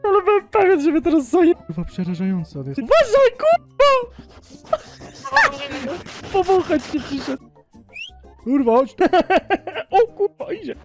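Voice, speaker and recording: A man streaming games, reacting with constant swearing, laughter and excited shrieks. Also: very high voice, a little slow, long pauses, music in the background. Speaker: gaming streamer. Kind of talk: reactive gameplay commentary.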